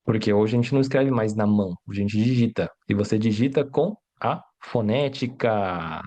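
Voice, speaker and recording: A man's voice: fairly low pitch, normal speed, dark tone. A man who learned Portuguese as a second language, teaching Mandarin in a livestream lesson, explaining step by step and checking in with "né?" and "tá?". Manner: explanatory, rhetorical questions, frequent "né?" and "tá?".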